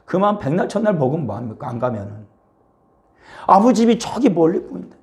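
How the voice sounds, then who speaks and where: Guy preaching in church, fairly high voice, plays out father and kid talking. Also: fast talker. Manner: animated, acts out little dialogues between father and child. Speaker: pastor. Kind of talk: sermon. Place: church sanctuary.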